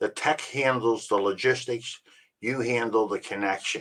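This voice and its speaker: A man talks in an unremarkable speaking voice. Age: 60s. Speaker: real estate appraiser and online entrepreneur. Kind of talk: casual talk to camera.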